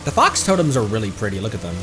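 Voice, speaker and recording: A man's voice: lowish voice, big pitch swings, rapid-fire, music in the background. A man streaming a video game with casual, chatty commentary.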